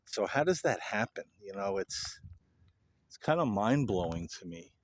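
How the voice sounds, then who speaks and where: A man hosting a paranormal video, talking casually and earnestly to viewers in halting phrases. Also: on the low side, sing-song, no room sound. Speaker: paranormal investigator, video host. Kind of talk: casual explanatory monologue to viewers.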